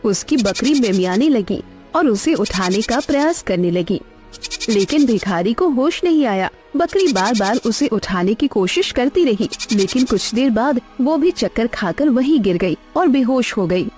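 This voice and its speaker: A woman narrating a cartoon story in an expressive, dramatic way. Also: fairly high pitch, a little slow, faint music behind.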